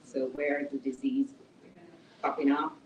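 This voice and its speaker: Brief: middle-aged woman, low voice, author talk, conversational, recorded from afar in an echoey room. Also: little pitch movement, a little slow, darkish tone, distant mic, lo-fi sound. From Nigeria. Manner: conversational, explains plainly. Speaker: author and speaker. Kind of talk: book talk to a small audience.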